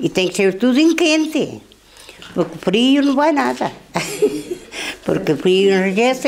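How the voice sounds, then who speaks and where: Over light background noise, a woman speaks at a high pitch and a fairly slow pace, her pitch swinging very widely, with long, frequent pauses. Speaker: traditional sweet maker. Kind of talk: interview answer. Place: kitchen. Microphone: handheld.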